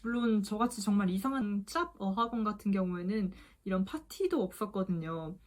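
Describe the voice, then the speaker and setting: A woman's voice: mid-range voice, expressive, a little fast, darkish tone. A young woman in her twenties answering questions in a chatty, playful vlog. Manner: chatty, playful, mimics voices in quotes. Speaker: vlogger. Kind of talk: casual Q&A vlog.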